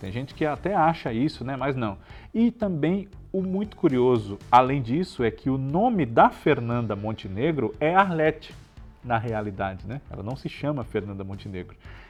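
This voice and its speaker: Music plays in the background as a man speaks at a moderate pace and a medium pitch. His voice has very wide pitch swings and big swings in loudness. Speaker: TV history presenter. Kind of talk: casual talk to camera.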